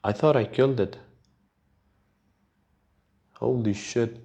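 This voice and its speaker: A man with an Urdu-influenced South Asian accent chatting casually as a solo podcast host, rambling in a halting, sweary way. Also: medium pitch, vocal fry, dark tone.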